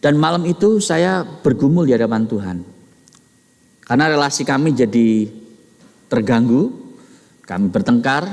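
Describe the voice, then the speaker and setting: A middle-aged man preaching a sermon, swinging between high emphatic peaks and low quiet asides, addressing his listeners as brothers and sisters. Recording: long hall reverb.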